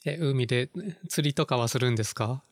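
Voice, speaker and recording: A man's voice: medium pitch, steady tone, brisk, no echo, clean studio sound. A man co-hosting a podcast interview, asking brief follow-up questions. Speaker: podcast co-host.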